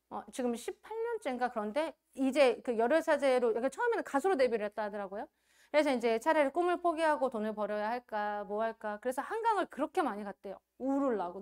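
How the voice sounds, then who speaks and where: Woman giving a motivational training talk, kinda high voice, does lots of little voices for quotes. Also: clear, resonant tone. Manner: animated, acts out quoted voices. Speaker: business training speaker.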